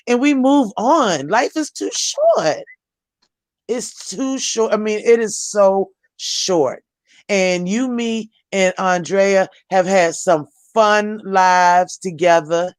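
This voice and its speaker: A woman's voice: mid-range voice, no echo. Female American chat host, medium register, very dry audio, conciliatory and informal. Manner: earnest, conciliatory. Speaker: host of a live panel chat. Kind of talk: casual chat.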